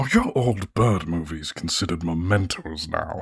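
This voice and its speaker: In a cartoonish character voice, a man speaks at a moderate pace with a very deep, low pitch. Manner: playful, casual.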